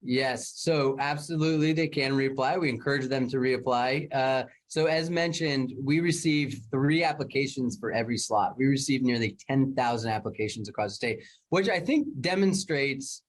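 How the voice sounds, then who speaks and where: A man fields reporters' questions as a state program official. He sounds earnest and keeps restarting his sentences, in a voice of middling pitch. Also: normal speed, hardly any pauses. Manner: earnest, many fillers and restarts. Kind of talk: press briefing answers.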